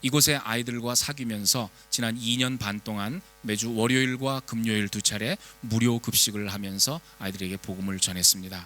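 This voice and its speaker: Over background music, a man speaks at a medium pitch and a moderate pace with ordinary pitch variation and hardly any pauses. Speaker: missionary. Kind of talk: sermon.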